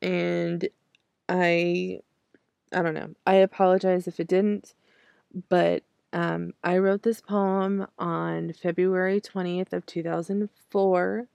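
A woman in her thirties, raspy from clearing her throat, reading her own poems slowly and then talking about them hesitantly with many fillers and restarts. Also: on the low side, flat delivery, darkish tone, dry recording, lo-fi sound. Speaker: podcast host reciting her poems. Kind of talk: poetry reading and casual reflection.

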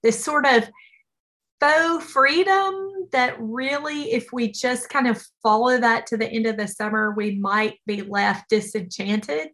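Podcast co-host: middle-aged woman, earnest and conversational, somewhat high-pitched. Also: unhurried, fairly bright tone. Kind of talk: casual, earnest podcast talk.

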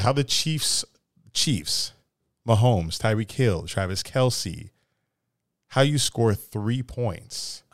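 A man co-hosting a casual sports podcast, animated and crude, talking to players as if they could hear him. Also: medium pitch, no echo, clean studio sound. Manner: animated, crude slang, talks to players as if present. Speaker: podcast co-host.

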